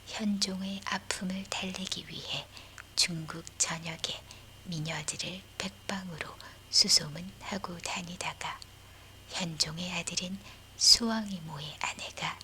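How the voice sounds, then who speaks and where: Slow whispering woman telling a bedtime story. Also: lowish voice, pushed and bright, slight background noise. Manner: whispering, breathy and unvoiced throughout. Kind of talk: whispered scripted narration of a historical tale for sleep.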